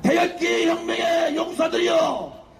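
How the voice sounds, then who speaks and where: A man giving a fiery shouted speech at an outdoor street rally, leading chanted slogans. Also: very high-pitched, fairly even intonation, measured pace, vocal fry. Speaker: rally speaker. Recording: echoey loudspeaker sound with crowd and music.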